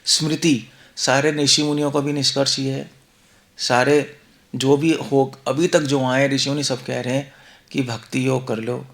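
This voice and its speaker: A man's voice: mid-range voice, little pitch movement, measured pace, vocal fry, fairly bright tone. A male monk giving a conversational scripture class, mixing Hindi and English, asking the listeners rhetorical questions. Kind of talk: Hindi-English devotional lecture.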